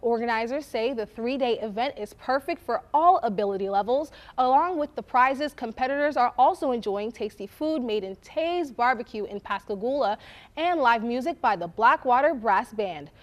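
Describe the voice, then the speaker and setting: A woman's voice: on the high side, animated, normal speed. A woman reading scripted local news as an anchor at a studio desk.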